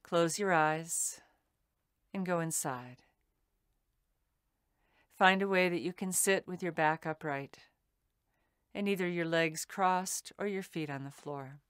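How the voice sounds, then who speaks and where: A woman with a fairly low voice leads a guided meditation very slowly. Her phrasing is soothing and deliberate, with pauses between phrases, and the sound is dry and close, free of room echo. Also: fairly bright tone, clean tone. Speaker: meditation teacher.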